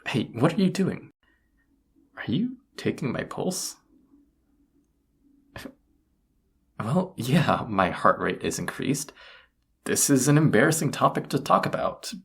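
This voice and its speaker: A lovestruck young incubus acted by a man in a romantic audio roleplay. He speaks slowly in a deep, husky voice. His delivery is intimate and hesitant, breaking into small stammers as he bares his feelings. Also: exaggerated voice. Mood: flustered, defensive. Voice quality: breathy, husky. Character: young male incubus, flustered lovestruck roommate.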